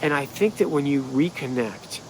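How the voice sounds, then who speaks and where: A middle-aged man with a congested, nasal voice speaks to his camera in a leafy yard, rambling and restarting as he goes. Faint insects and far-off traffic sit softly behind him. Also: fairly high pitch, moderate pace. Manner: rambling, animated, restarts often. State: stuffed-up, nasal. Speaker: spiritual healer. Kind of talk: casual vlog monologue. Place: outdoors in a wooded yard. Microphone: phone or camera at arm's length.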